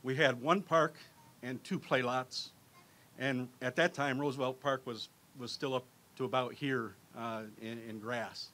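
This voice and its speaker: Man with a mid-range voice, halting outdoor ceremony speech full of fillers. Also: medium pitch, steady tone, a bit bright. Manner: halting, with many fillers and restarts. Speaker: neighborhood representative. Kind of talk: public speech.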